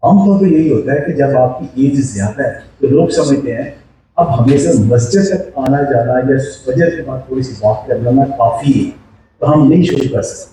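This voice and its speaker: A man's voice: mid-range voice, normal speed, warm tone. A man in his sixties with a Pakistani accent explains health matters, posing questions and mixing in English terms. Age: 60s. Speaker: health educator. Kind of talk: explanatory health video talk. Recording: echoey, distant mic, faint noise.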